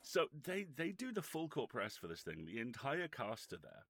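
A man's voice: mid-range voice, huge pitch swings, moderate pace, a bit bright, no room sound. A British man co-hosting a podcast, telling casual anecdotes in a profane, wry storytelling manner. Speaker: podcast co-host.

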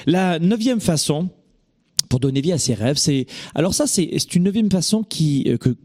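A man's voice: fairly high pitch, lively intonation, normal speed, darkish tone, dry recording, clean studio sound. Emphatic French-accented man coaching. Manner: emphatic, rhetorical questions, frequent hesitations. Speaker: host and success coach. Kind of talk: motivational talk.

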